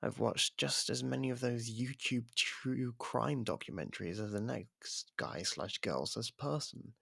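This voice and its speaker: Casting: male actor as a taunting, flirtatious imprisoned killer for ASMR roleplay; husky, unhurried, sarcastic drawl. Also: medium pitch, lively intonation, sharp tone, no echo, full character voice. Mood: scornful, mocking. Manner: drawling, sarcastic, teasing delivery. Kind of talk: ASMR roleplay audio drama.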